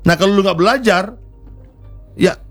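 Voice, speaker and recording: A man's voice: high voice, normal speed, no room sound, soft background music. Earnest man, encouraging. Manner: earnest and encouraging, with frequent fillers and restarts. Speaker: film director. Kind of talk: interview answers.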